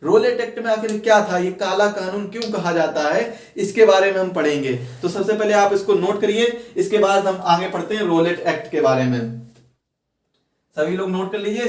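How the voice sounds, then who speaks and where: A roomy, slightly distant recording of a man with a high voice giving a classroom lecture. He teaches for exam preparation, repeating key phrases and posing questions that he then answers himself. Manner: repeats key phrases slowly for note-taking. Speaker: exam-prep history teacher. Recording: roomy echo, distant microphone.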